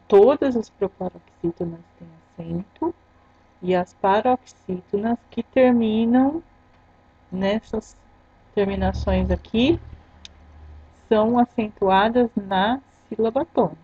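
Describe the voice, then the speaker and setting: A Brazilian woman teacher recording a grammar lesson for her students, explaining step by step and checking in with a quick "tá?" after each point. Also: mid-range voice, slightly rough. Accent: Brazilian Portuguese. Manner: patient, explains step by step, ends phrases with "tá?". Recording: dull lo-fi sound.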